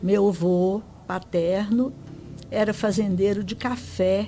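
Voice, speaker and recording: A woman's medium-pitched voice, dark and mellow in tone, somewhat breathy, with fairly even intonation. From Brazil, Itaperuna in northern Rio de Janeiro state, near Minas Gerais. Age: 70s. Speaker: interview guest telling her life story. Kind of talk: casual interview.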